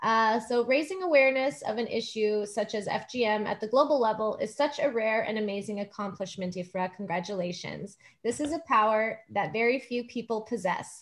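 A woman speaks at a moderate pace with hardly any pauses, her fairly high pitch showing ordinary variation against a quiet background. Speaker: festival host. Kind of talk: live Q&A hosting. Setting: virtual event, video call. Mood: warm, admiring. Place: home room. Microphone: video call.

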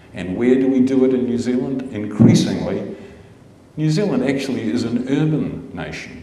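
There is audible room echo as a man talks at a medium pitch. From New Zealand. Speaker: conservation scientist, professor. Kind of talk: lecture. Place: hall. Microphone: podium.

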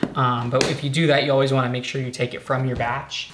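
Very fast speech over light background noise. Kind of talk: tutorial. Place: workshop.

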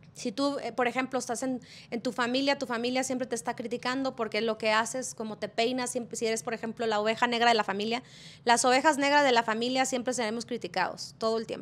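A woman with a Mexican accent speaks at a very fast pace in a high-pitched voice. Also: fairly even intonation. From Mexico, Zacatecas. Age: 40s. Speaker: spiritual coach and tarot video creator; spiritual coach, tarot video creator. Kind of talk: motivational talk to camera. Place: home room. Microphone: lapel.

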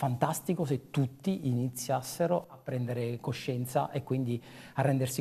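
Somewhat breathy, a man talks in a dark, mellow tone. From Campania, Italy. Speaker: art history professor and archaeologist. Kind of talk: interview about local history. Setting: TV studio. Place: studio. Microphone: lapel.

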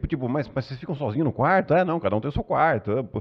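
Over a quiet background, a man with a fairly high voice speaks at a very fast pace with lively intonation. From Piracicaba, São Paulo state, Brazil; São Paulo state, Brazil. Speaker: podcast host, former basketball player; podcast host. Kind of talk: casual chat. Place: studio.

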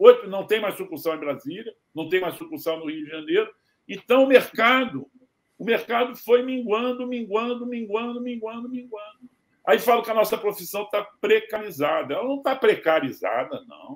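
A man talks at a moderate pace with a high pitch and lively intonation. His loudness swings widely. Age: 70s. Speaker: veteran journalist; journalist guest. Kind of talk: interview answer. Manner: halting, with repetitions. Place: home room.

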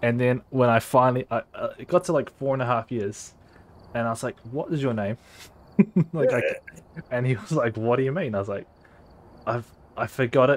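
A man with a New Zealand accent at a fairly quick pace, medium pitch with ordinary variation, broken by long, frequent pauses. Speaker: gamer streamer. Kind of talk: casual gaming chat. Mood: relaxed, amused anecdote.

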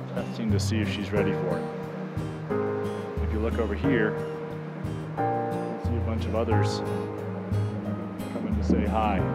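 A man at a moderate pace with long, frequent pauses over loud background music. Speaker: travel vlogger filming wildlife. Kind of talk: casual vlog commentary. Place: open country. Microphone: phone near.

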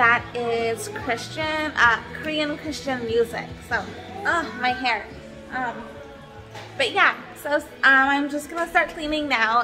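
A raised, projected voice moves at a very slow pace with long, frequent pauses and ordinary pitch variation while music plays in the background. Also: woman. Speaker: home vlogger. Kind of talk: casual vlog chat. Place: kitchen. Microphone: phone near.

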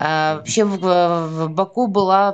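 A woman's fairly even intonation over a quiet background. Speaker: caller. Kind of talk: casual live stream chat. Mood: calm, subdued. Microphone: earbuds.

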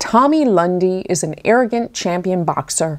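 Simply an unforced reading voice

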